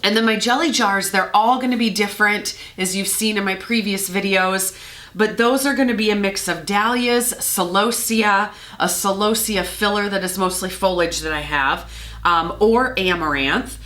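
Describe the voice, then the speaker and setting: A woman's voice: normal speed, a bit bright. A middle-aged woman with a scratchy voice from a cold, chatting casually through her flower-farm vlog with frequent ums. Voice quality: scratchy, slightly lower than usual. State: hoarse from a cold. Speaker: flower farmer and vlogger.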